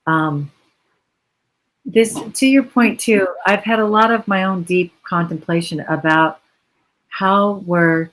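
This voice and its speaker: A woman with a slightly low voice joins a virtual panel over a video call. She speaks earnestly and reflectively, in long flowing explanations. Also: takes it slowly, fairly bright tone, poor audio. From United States.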